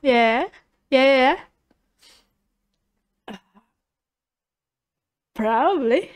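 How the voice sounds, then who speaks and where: High-voiced, unhurried woman streamer. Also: lively intonation. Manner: giggly, rambling, playful. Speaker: streamer reacting to videos. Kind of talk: casual livestream reaction chat. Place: living room.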